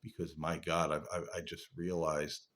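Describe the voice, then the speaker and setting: A man hosting a paranormal channel, talking casually and reflectively to viewers in an earnest, halting, rambling way. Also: a bass voice, level tone, a bit bright. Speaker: paranormal investigator and channel host.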